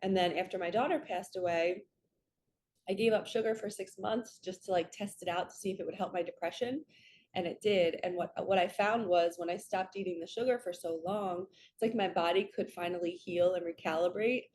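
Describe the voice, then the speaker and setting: Woman doing a chatty spiritual reading vlog, bit raspy and stuffy from allergies, earnest, rambly. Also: fairly low pitch, a little fast, darkish tone, slight background noise. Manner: chatty, earnest, drifts into stories. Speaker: host, spiritual card reader.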